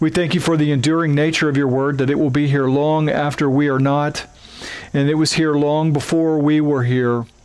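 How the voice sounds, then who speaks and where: With an Oklahoma accent, a man talks at a moderate pace and a fairly high pitch in a monotone, flat way. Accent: Oklahoma twang, Southern US. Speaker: pastor. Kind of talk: sermon. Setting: church.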